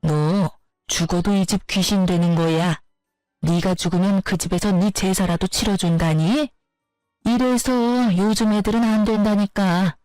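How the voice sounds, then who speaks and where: Brief: woman putting on a lower, gruff old mother-in-law, contemptuous and bossy, storybook read-aloud, dry sound, faint music under. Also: a little slow, no echo, close to an everyday voice. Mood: mocking. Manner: sneering, insulting, shouting. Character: harsh scolding older Korean mother-in-law.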